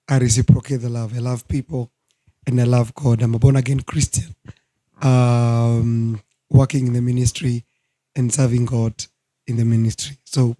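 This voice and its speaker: A hoarse man in his thirties, a guest minister speaking earnestly in a studio talk show interview. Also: mid-range voice, flat delivery, dark tone. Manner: slow, earnest, preacherly.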